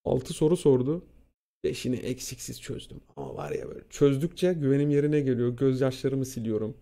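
A young man casually telling a school story, animated and profane, acting out what people said. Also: mid-range voice, fairly quick, creaky. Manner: animated, profane, acts out quotes. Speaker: streamer.

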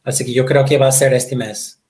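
A man in his thirties, a native Portuguese speaker, fields questions on a video call at a medium pitch. He talks haltingly, repeating words and tacking short tag questions onto his phrases. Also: fairly even intonation, a little mellow. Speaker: guest presenter. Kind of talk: webinar Q&A answers. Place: home room, indoors.

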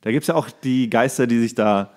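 A man's voice: mid-range voice, moderate pace, darkish tone. A man co-hosting a podcast, telling rambling, jokey anecdotes in casual banter. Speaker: podcast co-host.

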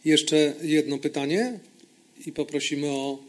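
A man's voice: fairly high pitch, moderate pace. A man moderating audience questions at a conference, speaking politely at a lectern in a hall.

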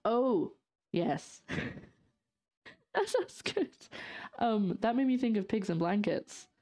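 A young woman cooks at home and casually chats to her live stream, her slightly high, mellow voice moving slowly with big pitch swings. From northeast Scotland, she has a light, partly English-sounding accent and a slight lisp from a brace, and keeps up jokey, sarcastic asides to chat.

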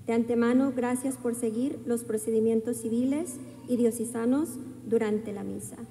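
A woman reading the introduction to Mass at a church lectern in a calm, formal way. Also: a little high, normal speed, slight background noise. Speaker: lector. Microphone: lectern microphone. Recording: long church reverb.

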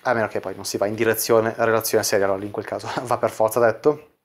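A man's voice: on the low side, level tone, quick pace. A man working as a dating coach, casually explaining chat screenshots and leaning on filler words as he talks. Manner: casual, full of "quindi" fillers.

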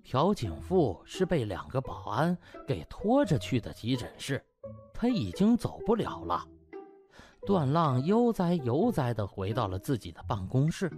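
Highly animated male comic storyteller. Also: moderate pace, soft background music. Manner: theatrical, uses sound words and exclamatory particles. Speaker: audiobook narrator.

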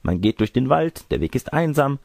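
A man's voice: mid-range voice, sing-song, moderate pace, gravelly, darkish tone, dry recording, studio quality, pitched above the performer's own voice. A man voicing a lecherous wolf-sorcerer who poses as a grandmother in a storybook tale, by turns testy, wheedling and smug. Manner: wheedling, boastful, crude. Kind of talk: storybook character reading.

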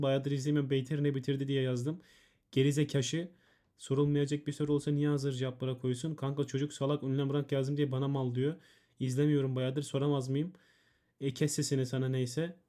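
A man's voice: mid-range voice, dark tone. A man streaming, reading out viewers' ban appeals and answering them in blunt, profane casual chat. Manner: blunt and swearing, reading chat messages aloud.

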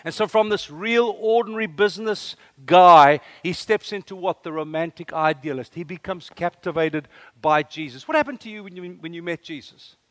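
A South African man with an Afrikaans accent preaching a lively sermon, telling stories and tossing questions to the congregation. His voice sits fairly high for a man and is recorded dry and close, with little room sound. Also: moderate pace, few pauses, dry recording. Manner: animated storytelling preacher, asks the room questions. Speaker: guest preacher.

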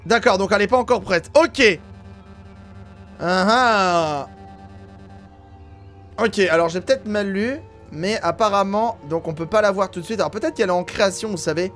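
A man with a French accent giving casual let's-play commentary, chatty and excitable, thinking aloud with lots of fillers. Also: sits high, quick pace, hardly any pauses, faint music behind. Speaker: gaming YouTuber.

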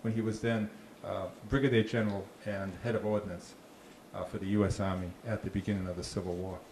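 A fairly low-pitched, darkish, level voice belongs to a Boston-accented park ranger talking briskly into a handheld mic. In a small, dark meeting room with a slide screen, his informal talk with audience questions is chatty, punctuated by restarts and deadpan humor. Echo and faint noise fill the room.

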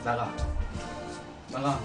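A man's voice: drawn-out words, fairly bright tone. A young man acting as a drill sergeant in a streamed comic military training, giving commands and stern corrections in a small room. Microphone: room mic a few steps away. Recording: distant room mic, music underneath.

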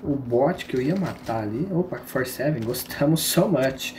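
A man's voice: mid-range voice, animated, moderate pace, a little mellow, a little hiss or hum. Slangy Brazilian man commentating a game. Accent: Brazilian Portuguese. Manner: slangy, joking, teasing the viewers. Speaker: game streamer. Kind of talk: live gameplay commentary.

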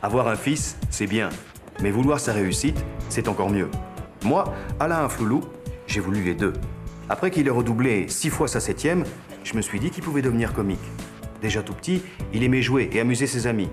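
A man plays a middle-aged, pompous businessman dad in a spoof commercial. His animated, mid-pitched voice delivers slogans over prominent music and easily turns exasperated. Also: natural voice. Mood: solemn, proud. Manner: solemn, deliberate slogan delivery. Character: self-important businessman father advertising himself, easily exasperated. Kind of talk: parody TV advert narration. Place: studio set.

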